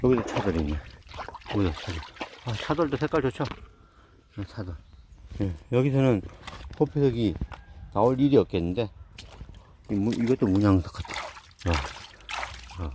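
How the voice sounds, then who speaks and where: A man's voice: on the low side, lively intonation, moderate pace, pauses often, noisy background. A middle-aged man talking casually outdoors in a mountain stream, muttering and repeating words as he looks at rocks. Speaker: rock-hunting vlogger.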